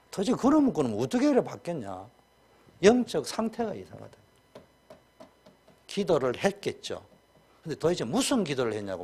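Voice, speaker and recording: A man with a Gyeongsang Korean accent preaching a sermon as pastor, colloquial and emphatic, with many rhetorical questions. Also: on the high side.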